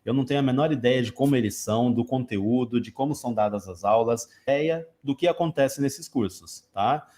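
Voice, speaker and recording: A man's voice: mid-range voice, brisk, few pauses, warm tone. Brazilian male teacher, mid-range voice, casual live-stream host answering questions in an explanatory tone. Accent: Brazilian Portuguese. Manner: explanatory, teacherly, gives everyday examples. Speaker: English teacher hosting a live Q&A.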